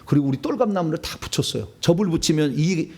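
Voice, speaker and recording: Male pastor, high voice with a lively, wide-ranging pitch, preaching animatedly and quizzing his listeners. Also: quick pace, slightly rough. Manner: animated, swings from low asides to loud shouted lines; asks the congregation questions. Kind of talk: Bible-study sermon.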